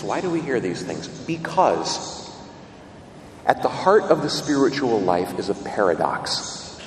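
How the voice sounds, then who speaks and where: A man serving as priest, reading the gospel and preaching a homily at Mass, with a lively, emphatic delivery in a cathedral echo. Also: medium pitch. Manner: lively preaching, leaning hard on key words. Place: large church. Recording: long church reverb, distant mic, room noise.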